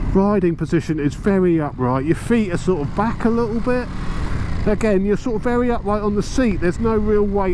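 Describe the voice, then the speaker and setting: A man talks at a fairly quick pace with a high pitch and ordinary pitch variation. Noticeable background noise is present. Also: dry sound with no echo. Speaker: motorcycle vlogger. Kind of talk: casual ride commentary. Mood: eager, upbeat. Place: motorbike. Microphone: helmet.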